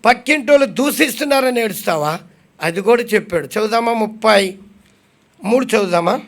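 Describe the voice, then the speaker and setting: High gravelly-voiced preacher. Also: male voice, animated, a bit bright. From India. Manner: questions the congregation and answers himself; slows to read scripture aloud. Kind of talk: sermon.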